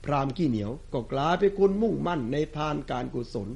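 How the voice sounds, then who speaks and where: A man's voice: mid-range voice, lively intonation, fast talker, gravelly, darkish tone, husky. A male Buddhist monk giving a sermon, telling a scripture story expressively to the lay congregation.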